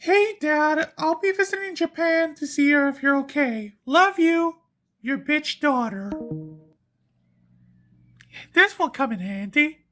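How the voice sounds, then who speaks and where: A woman's voice: high-pitched, lively intonation, takes it slowly, pauses often, a bit bright, soft background music, heavily acted. A woman voicing an anxious, dramatic young girl in a cartoon parody. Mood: flat resolve.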